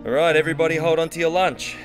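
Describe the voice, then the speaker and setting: A man's voice: fairly high pitch, level tone, very fast, close to an everyday voice, poor audio. A man acting an irreverent, wisecracking spaceship pilot in a sci-fi audio drama, jokey and breezy. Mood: mock announcing. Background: music.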